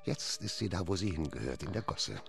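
A man's voice: low voice, sing-song, brisk, gravelly, fairly bright tone, heavily acted. An actor playing a cruel, menacing man who gloats curtly in a German radio drama. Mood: gloating menace. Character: Mister Hyde, sinister cruel man gloating over violence. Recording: music behind the voice.

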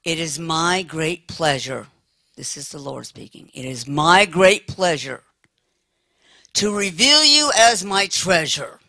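An older American woman preaching a lively sermon with humor, talking in a big, animated, playful voice. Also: low voice, slow pace, dry recording.

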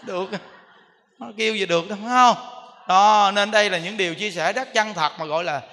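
A man preaches as a monk, his voice high and bright as it rings through a long reverberant hall. He talks to his listeners in an easy way and keeps asking them rhetorical questions. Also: fast. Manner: conversational, rhetorical questions to the audience. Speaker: Buddhist monk giving a dharma talk. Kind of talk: sermon to lay followers. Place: temple hall.

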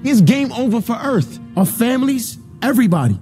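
Brief: young man, streetwise and brash, high voice with a mellow tone, faint score. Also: very animated, brisk. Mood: determined. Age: young adult. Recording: film soundtrack with faint music.

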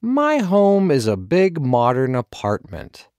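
Slow, animated man reading lesson dialogue. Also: medium pitch, no echo, clean studio sound. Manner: slow, clearly enunciated. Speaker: dialogue reader. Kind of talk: scripted language-lesson dialogue.

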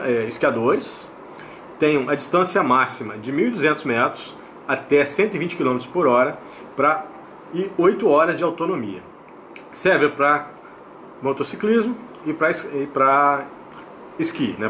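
Higher-pitched Brazilian man, noisy recording. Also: fairly bright tone. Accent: Brazilian Portuguese. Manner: explanatory, repeats and checks in with tag questions. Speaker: product review host. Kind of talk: casual unboxing and review narration.

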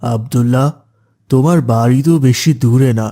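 A man voicing a calm, instructive male religious teacher in a cartoon. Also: medium pitch, moderate pace, lightly acted.

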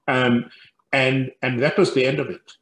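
A man, a professor telling stories on a video call from a room at home. He talks in an animated, anecdotal way, laughing often. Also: medium pitch, a little slow, low-quality recording. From South Africa. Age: 60s. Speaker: guest speaker, professor. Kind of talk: storytelling interview on a video call. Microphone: headset on a video call.

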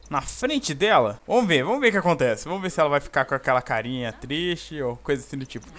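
A man's voice: high voice, a bit bright. A young Brazilian man with a Brazilian Portuguese accent, giving casual, jokey gameplay commentary and talking to the game characters. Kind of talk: casual let's play commentary.

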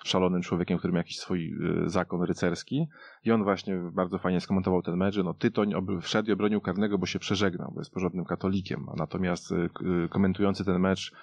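Fast, creaky, low-voiced man. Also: steady tone, a little mellow, no echo. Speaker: podcast panelist. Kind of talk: casual football discussion. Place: dry radio studio.

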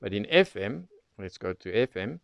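Low, clear-voiced man explaining step by step. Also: big pitch swings, moderate pace, dry recording. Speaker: presenter of radio tutorial. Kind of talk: unscripted product demonstration, explanatory.

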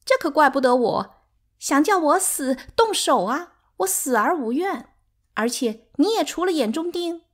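A woman voicing a hysterical, defiant younger concubine in an audiobook, shrill and wailing with grievance. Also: very animated, unhurried. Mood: defiant, aggrieved. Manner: wailing, taunting. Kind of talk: dramatic audiobook character acting.

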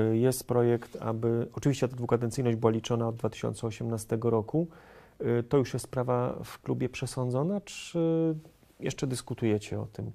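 A man's voice: mid-range voice, creaky, mellow. A middle-aged man hosting a TV studio interview, asking long, winding questions. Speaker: TV host. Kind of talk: political TV interview. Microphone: lapel mic.

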